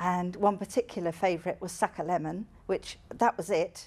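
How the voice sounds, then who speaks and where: A woman with a plain, everyday voice and medium pitch speaks at a moderate pace on a very clean recording with a silent background. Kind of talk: interview answer.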